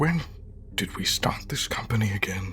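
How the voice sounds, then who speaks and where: Clear background noise runs under a man's cartoonish character voice. His pitch is fairly low. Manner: playful, casual.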